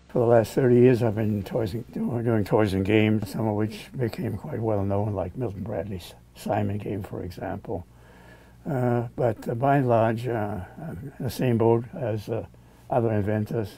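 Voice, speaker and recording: At a moderate pace, a man speaks in a dark, mellow tone that is somewhat breathy, with ordinary pitch variation. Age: 80s+. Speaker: inventor. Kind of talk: interview answer. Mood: reflective, warm. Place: home room.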